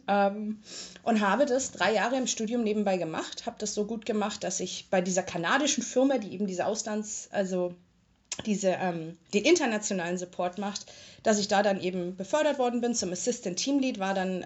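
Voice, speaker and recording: A young woman from Germany talks through her career in a casual interview, colloquial and brisk with frequent filler pauses. Her voice sits at an ordinary middle pitch. The recording is slightly muffled and lo-fi. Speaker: interviewee, tech customer support worker.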